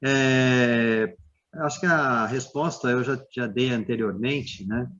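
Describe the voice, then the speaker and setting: A man's voice: medium pitch, slow pace, a bit bright. Man with a muffled lo-fi voice. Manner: hesitant, many fillers and tag questions. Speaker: dentist guest. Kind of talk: live Q&A explanation.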